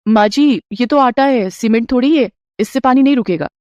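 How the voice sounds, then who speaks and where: A woman voicing a curious, eager young daughter-in-law in a cartoon story, asking excited, wondering questions. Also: on the high side, moderate pace, dry recording, lo-fi sound, close to an everyday voice.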